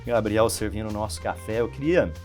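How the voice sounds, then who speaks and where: A man's voice: on the low side, fairly quick, darkish tone. Brazilian male interviewer over light music. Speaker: interview show host. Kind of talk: casual conversational interviewing.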